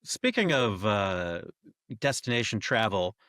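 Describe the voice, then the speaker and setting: A man's voice: lowish voice, very animated, measured pace, fairly bright tone, no room sound. A man hosting a trivia podcast, cracking dry jokes in casual banter. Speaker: podcast host.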